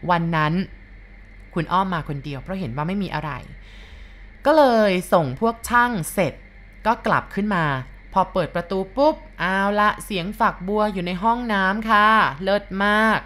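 A woman retelling a listener's ghost story in a casual, chatty way, with polite particles and lively quoted lines. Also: on the low side, normal speed.

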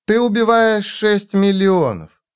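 A man's voice: high-pitched, big pitch swings, slow, clear, resonant tone, voice pushed up, full character voice. A man voicing a blind, proud, vengeful young woman in a dramatic audiobook reading, with an intense, defiant delivery. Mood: fierce.

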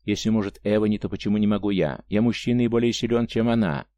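A man's voice: fairly low pitch, steady tone, quick pace, no echo, muffled recording, natural voice. A man voicing a desperate young man tormented by a voice in his head, crying out in anguish, as an audiobook character. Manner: anguished shouting.

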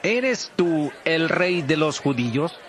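An actor playing a firm Roman governor addressing a crowd formally in an audio Bible drama. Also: male voice, a little high, very animated, slow. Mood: questioning, firm. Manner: declamatory, formal.

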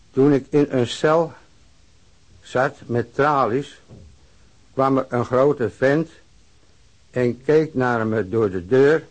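An actor playing an aggrieved, down-and-out middle-aged labourer who drinks, telling his story in halting, plain words for a radio drama. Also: medium pitch, poor audio. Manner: halting, plain-spoken, simple repetitive phrasing. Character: aging down-and-out working-class drinker recounting police beating, aggrieved. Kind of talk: radio drama monologue, letter of complaint.

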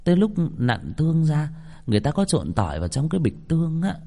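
Man doing a soft worried young wife. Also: a little high, sing-song, quick pace, big-room sound, pitched above the performer's own voice. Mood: complaining. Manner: soft, confiding.

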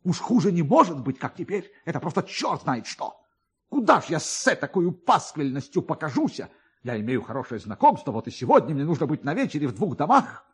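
A man's voice: on the high side, sing-song, brisk, breathy edge, exaggerated voice. A man voicing a vain, pompous army major who pleads and protests in an agitated way, in a classic radio drama. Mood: indignant.

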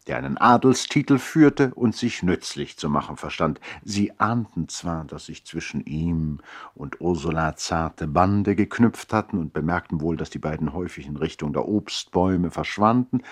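An actor narrating a radio play as a reflective brother telling a tale in a measured, literary way, with a husky voice. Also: male voice, very deep voice. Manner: measured storytelling.

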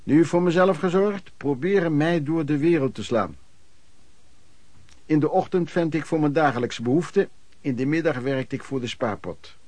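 An actor playing a hardworking itinerant peddler, looking back on his life in colloquial, reflective radio drama narration with a husky voice. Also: fairly high pitch, animated, normal speed, a little mellow, dry recording. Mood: wistful.

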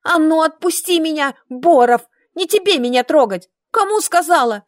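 A woman's voice: high-pitched, lively intonation, moderate pace, no room sound, clean studio sound, pitched above the performer's own voice. A woman voicing a vain, haughty young noble girl, hissing with scorn and indignation. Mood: indignant shrieking.

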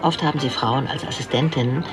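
A man as a factual documentary narrator in a radio drama, reading a script in a measured, articulate way. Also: mid-range voice, lightly acted. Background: music.

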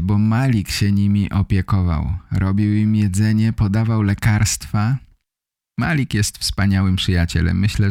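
A man hosting a language-learning podcast, speaking in simple, measured, appreciative sentences. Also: fairly low pitch, a little mellow, dry recording, studio quality. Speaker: podcast host for learners of Polish. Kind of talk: slow, simple scripted talk for language learners.

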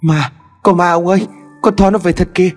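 A man's voice: animated, fairly quick, natural voice. A man voicing a frightened older village wife who speaks in a raised, anxious and urgent way, in a horror story with long reverb and faint music. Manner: higher, anxious, stammering, urgent.

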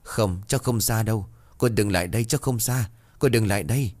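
A man's voice: fairly low pitch, brisk, a little mellow, pitched above the performer's own voice, lightly acted. A man voicing a timid, frightened schoolgirl. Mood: pleading. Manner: pleading.

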